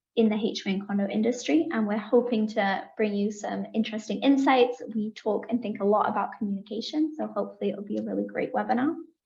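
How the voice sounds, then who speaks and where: A woman with a British accent, fairly high in pitch, at a very fast pace. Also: ordinary pitch variation, hardly any pauses. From United Kingdom. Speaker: head of marketing, webinar presenter. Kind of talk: webinar presentation. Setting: video call.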